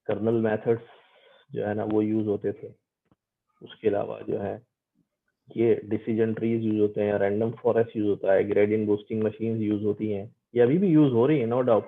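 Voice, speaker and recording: A man with a South Asian accent teaching a class, reading English text slowly and explaining it point by point, mixing in English terms. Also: fairly low pitch, level tone, vocal fry. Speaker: teacher giving an online class. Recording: narrow, tinny online-call audio.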